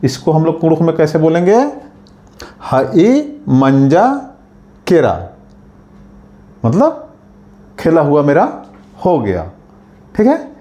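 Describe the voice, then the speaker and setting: A man teaching a spoken language lesson, saying each phrase slowly and carefully and repeating it for learners. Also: a little high, sing-song, warm tone.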